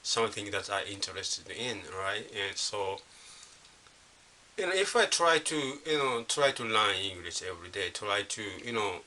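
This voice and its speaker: Halting middle-aged Japanese man, bright edge. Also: fairly low pitch, expressive, a little hiss or hum. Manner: halting, leans on constant "you know" fillers and restarts. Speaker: vlogger. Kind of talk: unscripted casual monologue.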